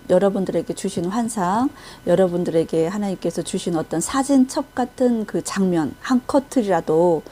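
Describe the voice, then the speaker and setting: Mellow-voiced Korean woman preacher. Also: mid-range voice. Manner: retells a vision with acted quotes and frequent restarts. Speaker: Christian intercessory prayer minister. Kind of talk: testimony-style sermon.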